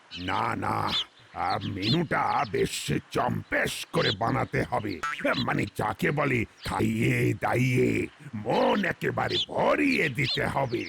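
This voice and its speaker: Using a cartoonish character voice, a man speaks at a very slow pace with very even loudness. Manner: fussy, sarcastic, sprinkles English.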